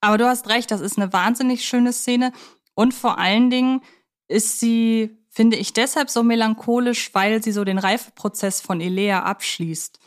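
A woman's voice: a little high, steady tone, moderate pace. A woman co-hosting a film analysis podcast, talking conversationally in a reflective, articulate way. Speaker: podcast co-host.

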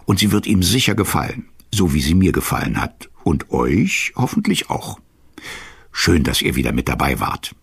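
A man's voice: sits low, huge pitch swings, moderate pace, vocal fry, husky. An older man narrating a children's radio play in a storytelling style, speaking fondly to young listeners.

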